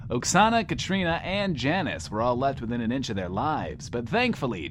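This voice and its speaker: A man's voice: medium pitch, noisy background, natural voice. Male actor as flamboyant young wasteland radio host for audio drama; mid-range voice, big swooping inflection, theatrical and vain. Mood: alarmed, rhetorical. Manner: showy, hammy, talks about himself in third person, dramatic swings. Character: flamboyant, self-absorbed young male post-apocalyptic radio DJ. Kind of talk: in-world radio show monologue in audio drama.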